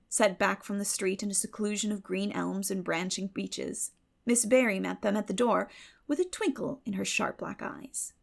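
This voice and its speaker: A woman's voice: medium pitch, gravelly. A woman audiobook narrator giving a scripted, dramatic reading of a story.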